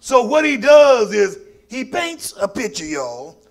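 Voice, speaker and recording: High-pitched gravelly Southern Black preacher man. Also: sing-song, slow. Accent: Southern African American English. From Mississippi, US. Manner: folksy, emphatic, repeats phrases for effect. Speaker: pastor preaching to a congregation. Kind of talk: sermon with call and response.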